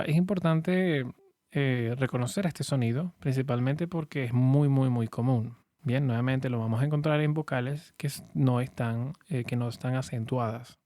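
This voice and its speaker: Hombre, profesor paciente de pronunciación. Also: male voice, mid-range voice, a little mellow, no echo, clean studio sound. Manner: patient, clear, slow model words. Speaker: English pronunciation teacher. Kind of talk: shadowing lesson, repeat-after-me drills.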